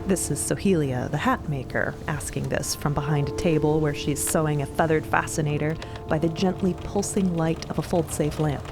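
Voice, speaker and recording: A woman's voice: sits low, moderate pace, few pauses. A woman giving composed, descriptive scripted narration in a dramatic story style. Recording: loud music bed behind the voice.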